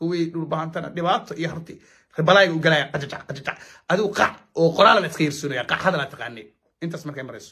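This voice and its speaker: Against a quiet background, a man with a Somali accent speaks at a fairly quick pace in a fairly high, bright, sharp tone, with ordinary pitch variation and big swings in loudness. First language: Somali (speaking Arabic). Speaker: political commentator. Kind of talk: political commentary monologue. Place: home room. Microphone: phone near.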